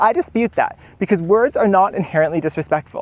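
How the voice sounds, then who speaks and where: With lively intonation and an unremarkable speaking voice, a woman speaks at a fairly quick pace. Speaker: vlogger. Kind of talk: opinion monologue. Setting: outdoors.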